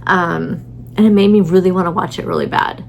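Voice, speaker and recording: A woman's voice: fairly low pitch, very animated, fairly quick, creaky, a little mellow, a little hiss or hum. A middle-aged woman chatting casually in a vlog from a hotel room, rambling with many fillers, tired and a little stuffy. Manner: rambling, lots of fillers and restarts. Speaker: vlogger.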